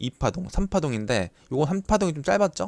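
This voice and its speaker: Recorded with a dry, close sound and no echo, a man talks at a fairly quick pace with very wide pitch swings. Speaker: stock trading instructor. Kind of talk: lecture. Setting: recorded online class. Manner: self-described poor pronunciation.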